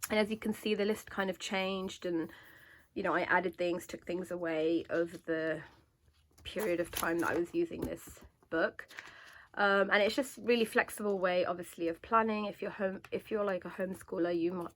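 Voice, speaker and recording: Woman, sore and congested throat, relaxed chat full of fillers, slightly low voice. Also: moderate pace, slight background noise. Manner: chatty, many fillers and restarts. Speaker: homeschooling parent vlogger. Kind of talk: casual chat to camera. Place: indoors at a table. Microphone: camera above a desk, hands only in frame.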